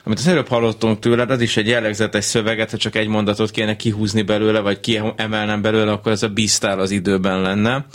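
Male radio host, monotone delivery, builds long elaborate questions. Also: fairly low pitch, hardly any pauses. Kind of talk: radio interview. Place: radio studio.

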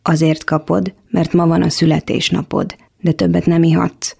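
A woman reading the part of a slightly mad male doctor who speaks slowly and softly coaxes. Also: low-pitched, flat delivery, gravelly, husky, heavily acted. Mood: soothing.

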